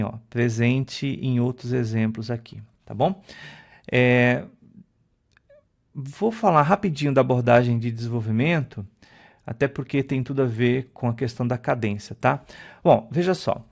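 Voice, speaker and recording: A man teaches an exam-prep video lesson, talking through a slide in a chatty, informal way. His voice sits at a middling pitch with a gravelly, creaky edge. He keeps checking in with a quick tag question, and uses fillers along the way. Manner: explains at a slide, often ends phrases with a checking "tá?"; conversational, with filler "é" and restarts.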